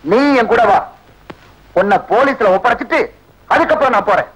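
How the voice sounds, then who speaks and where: An actor playing a gentle, desperate brother who pleads for justice, from an old film soundtrack with music behind. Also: male voice, animated, moderate pace, full character voice, poor audio. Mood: pleading. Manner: pleading, husky high voice.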